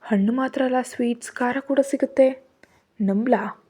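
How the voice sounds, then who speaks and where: A woman's voice: on the high side, normal speed, mellow, husky. Woman voicing a witty young woman. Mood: playful.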